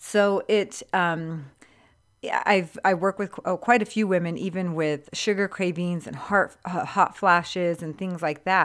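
The recording is very clean with a silent background, carrying a woman with a normal speaking voice at a medium pitch. She speaks at a fairly slow pace with fairly even intonation. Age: 40s. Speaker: health and hormone coach podcast host. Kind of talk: solo podcast monologue. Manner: casual with frequent fillers.

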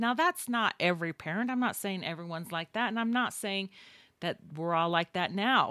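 A woman's plain, everyday voice at medium pitch with ordinary pitch variation, on a very clean recording with a silent background. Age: 50s. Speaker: podcast host and accountant. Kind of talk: solo podcast monologue on spiritual finance.

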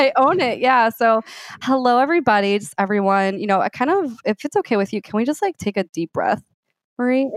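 A woman's fairly high voice at a moderate pace, animated in tone and lively in intonation, in a dry, close sound with no echo. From Miami, Florida. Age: 20s. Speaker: social media business consultant. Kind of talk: casual interview chat.

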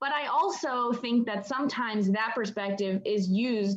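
At a moderate pace, a woman speaks in a fairly high pitch with an unremarkable speaking voice. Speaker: audiologist podcast host. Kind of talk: interview.

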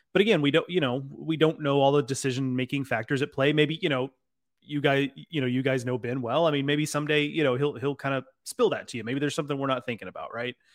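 Speaking at a very fast pace, a man with an American accent keeps a fairly high pitch and fairly even intonation. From Texas. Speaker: college baseball writer. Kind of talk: casual chat.

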